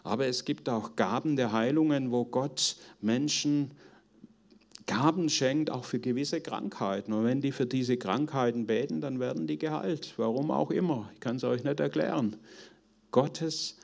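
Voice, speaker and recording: A man's voice: mid-range voice, creaky. Middle-aged man preaching informally. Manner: earnest, conversational, halting search for words. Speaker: preacher teaching on spiritual gifts. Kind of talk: informal sermon teaching to a group.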